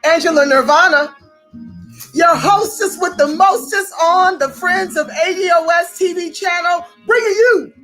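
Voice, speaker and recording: Very high, bright-voiced woman host. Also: poor audio. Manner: animated, rallying, addresses listeners as family. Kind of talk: online commentary show.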